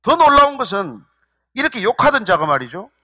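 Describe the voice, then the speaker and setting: A middle-aged male pastor giving a sermon, telling a story with animated quoted speech. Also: sits high, brisk, dry recording, studio quality.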